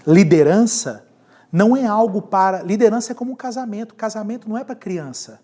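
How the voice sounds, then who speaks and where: Lively pastor from lecturing. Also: male voice, high-pitched, fairly quick. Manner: lively, repeats key words, asks the class questions. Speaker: pastor teaching a leadership class. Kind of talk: classroom lecture.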